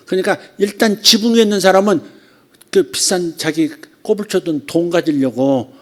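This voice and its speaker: A man, a pastor, preaching a sermon in a conversational way, asking rhetorical questions and acting out quoted lines. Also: a little high. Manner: acts out quoted lines with drawn-out repetitions.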